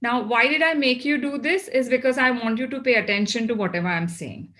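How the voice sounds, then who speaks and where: A woman's voice: fairly high pitch, brisk, fairly bright tone. A woman with a South Asian accent gives a motivational well-being talk to a group, instructing and often posing questions that she answers herself.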